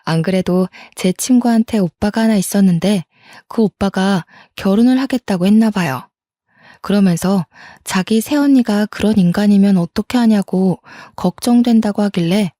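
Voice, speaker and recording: Woman storyteller, chatty first-person retelling, mellow tone, dry close sound. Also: medium pitch, normal speed, dry recording.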